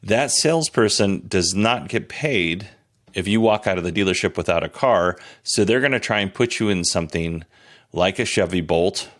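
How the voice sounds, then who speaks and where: A man's voice: low-pitched, lively intonation, normal speed, fairly bright tone. A man hosting a podcast, giving casual, conversational news commentary in a candid, self-deprecating way. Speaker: podcast host.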